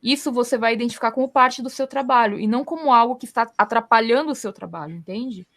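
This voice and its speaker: A woman's voice: fairly high pitch, fast talker, fairly bright tone. A Brazilian woman hosting a casual talk, explaining her points with everyday examples. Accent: Brazilian Portuguese. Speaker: podcast host. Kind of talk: casual conversational advice.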